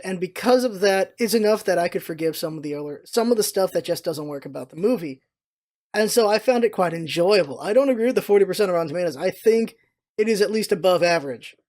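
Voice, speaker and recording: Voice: medium pitch, darkish tone. A vlogger chatting casually and giving unscripted opinions in a rambling, informal, opinionated way. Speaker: video blogger giving movie opinions. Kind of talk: casual unscripted movie review chat.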